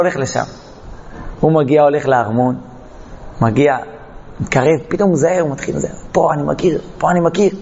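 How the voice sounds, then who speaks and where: Recorded in a large hall with the highs cut off, a high-pitched man with a somewhat mellow tone delivers a Torah storytelling lesson. He relates a parable with dramatic flair, playing out the characters himself.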